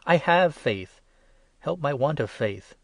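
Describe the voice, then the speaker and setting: A man's voice: a little high, lively intonation, takes it slowly, no echo, pitched above the performer's own voice. A man reading scripture voices an anxious father of a sick boy, pleading with a raised voice. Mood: desperate.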